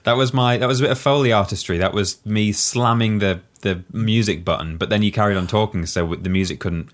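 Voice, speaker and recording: Deep-voiced man telling rambling bits. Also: brisk. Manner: rambling, absurd storytelling. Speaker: podcast co-host. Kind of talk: casual banter.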